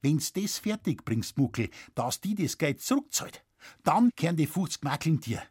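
A man's voice: on the high side, sing-song, moderate pace, darkish tone, husky. A man voicing a sly, jovial Bavarian village blacksmith who talks in broad, hearty dialect.

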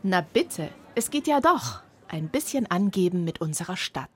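A woman's voice: on the low side, sing-song, normal speed, slight background noise. A woman narrating a television feature report in a wry, teasing tone.

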